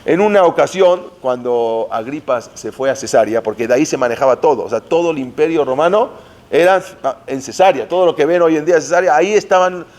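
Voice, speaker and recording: A man's voice: a little high, fairly quick, darkish tone. A man teaching Jewish history, telling the story dramatically and mixing in Hebrew terms. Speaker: Torah teacher.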